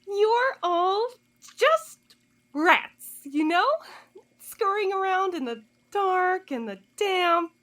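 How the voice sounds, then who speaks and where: Haughty, very high-voiced woman. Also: animated, drawn-out words, a bit bright, full character voice. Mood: disdainful. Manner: sardonic, verbose, disdainful. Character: haughty, cornered woman cultist, sneering and theatrical. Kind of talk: scripted audio drama acting.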